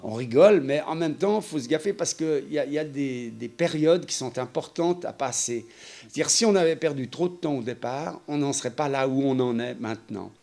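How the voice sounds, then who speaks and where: A man's voice: medium pitch, brisk, gravelly, warm tone. Thoughtful middle-voiced man. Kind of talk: interview commentary.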